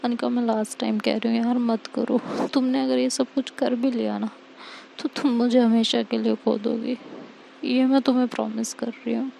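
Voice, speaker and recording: A woman's voice: on the high side, flat delivery, moderate pace, vocal fry, mellow, a little hiss or hum. A woman voicing a young woman who begs her lover again and again, repeating her pleas. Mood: desperate. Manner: begging, repeating pleas over and over.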